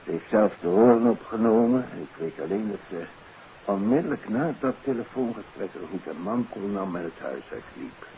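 An anxious middle-aged doctor in an old radio play, with a deep, gravelly voice. He is courteous and hesitant, a troubled father who keeps apologising, on a muffled recording with audible noise. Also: expressive, normal speed. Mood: anxious, distressed. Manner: hesitant, apologetic, often tagging sentences with questioning particles. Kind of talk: 1950s radio drama acting.

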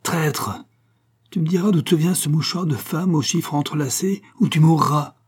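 A man's voice: medium pitch, unhurried, warm tone, breathy edge. A man voicing a fierce, jealous young Gypsy woman who threatens her lover with vehemence. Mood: furious.

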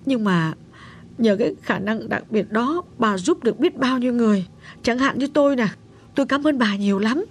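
A man's voice: extremely high pitch, expressive, moderate pace, a little hiss or hum, pitched above the performer's own voice. A man voicing a grieving young woman who speaks through tears, in an audiobook story. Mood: grateful. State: sobbing. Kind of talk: audiobook character voice.

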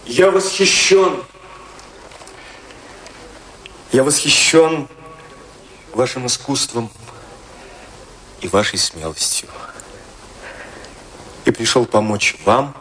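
An actor playing a wealthy, gallant suitor, devoted and earnest, with courtly, deliberate delivery in a radio drama. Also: male voice, mid-range voice, a bit bright, slight background noise, low-quality recording. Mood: ardent admiration. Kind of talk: theatrical radio drama dialogue.

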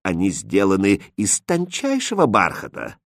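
A man's voice: sits low, wildly swooping pitch, moderate pace, dry recording, studio quality, heavily acted. A man voicing a prim, fussy lady of the court who lectures the others.

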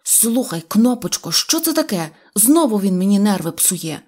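Woman putting on a hot-headed storybook boy, blustery, flares up fast. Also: a little high, animated, darkish tone. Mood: angry. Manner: quick-tempered, blustering. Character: hot-headed little boy driver, Dunno.

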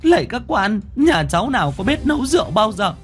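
A man voicing a poor village wife, pleading in a high wailing voice. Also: sing-song, brisk, soft background music. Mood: desperate pleading. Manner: wailing, begging.

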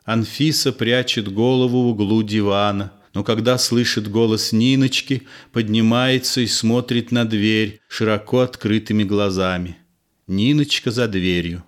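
A man reading the stage directions of a play for an audiobook in a calm, even way. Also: on the low side, measured pace. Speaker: audiobook reader.

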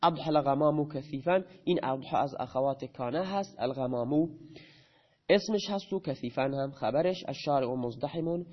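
A man's voice: mid-range voice, highs cut off. A man teaching grammar in a lecture, who asks his students questions and then answers them himself.

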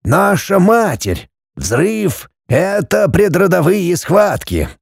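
A man voicing a calm, sorrowful old man with a grey beard who speaks in slow, measured, prophetic phrases. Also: sits high, creaky, breathy edge, no room sound, clean studio sound, voice pushed up, full character voice. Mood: insistent.

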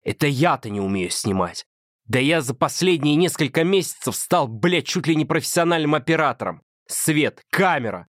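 A man voicing an angry, bullying young man who yells crude insults. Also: medium pitch, no echo, clean studio sound, voice pushed up, close to an everyday voice. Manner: yelling, crude, contemptuous.

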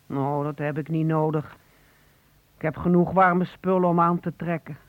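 A woman's voice: sits low, fairly even intonation, no echo, lightly acted. An actress playing a poor, grateful old woman chatting hesitantly in a radio play. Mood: cosy, chatty. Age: older. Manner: hesitant, halting, chuckling. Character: poor, grateful, chatty old mother-in-law at a phone booth. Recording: narrow telephone-like old radio recording.

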